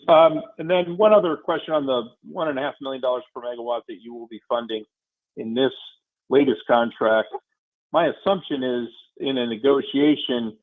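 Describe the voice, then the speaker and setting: A man questioning a company as an analyst on an earnings call, deliberate and direct. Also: medium pitch. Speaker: financial analyst. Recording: narrow phone-line audio.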